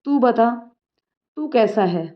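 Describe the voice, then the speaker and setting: A woman voicing a shy, lovestruck young village man who talks gently and apologetically. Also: fairly high pitch, expressive, takes it slowly. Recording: dull lo-fi recording.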